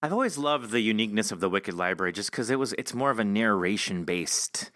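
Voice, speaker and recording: A man's voice: fairly low pitch, lively intonation, a little fast, fairly bright tone, dry recording, clean studio sound. A man hosting a podcast interview, chatty, playful and upbeat. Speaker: podcast host.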